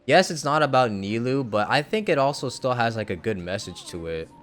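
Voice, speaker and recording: A man's voice: mid-range voice, expressive, fairly quick, a bit bright, faint music behind. A young man casually commenting on a game story during a live stream, rambling with hedges and the odd swear word.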